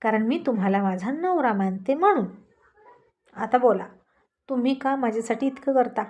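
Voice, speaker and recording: A woman's voice: fairly high pitch, normal speed, a little mellow, close to an everyday voice. A woman voicing an earnest young wife who argues back with her husband, in a read-aloud story. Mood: challenging. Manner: earnest, pleading, argumentative.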